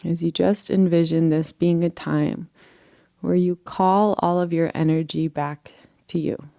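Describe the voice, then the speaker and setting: A woman with a dark, mellow voice and a gravelly fry at the edges guides a relaxation practice. Her manner is gentle and unhurried, giving soft permission with each instruction. She speaks as a meditation guide, soothing and patient. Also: on the low side, steady tone, dry recording.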